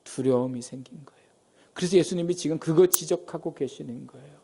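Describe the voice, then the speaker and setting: A middle-aged male pastor preaching a sermon in a lively way, often asking the congregation questions. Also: fairly high pitch, a little fast, vocal fry, breathy edge.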